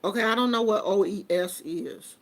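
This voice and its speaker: A woman's voice: mid-range voice, moderate pace. A woman, hosting a casual, chatty talk with viewers in an informal manner. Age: 50s. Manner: chatty and informal, with colloquial phrasing. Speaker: host. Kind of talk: casual live chat with viewers.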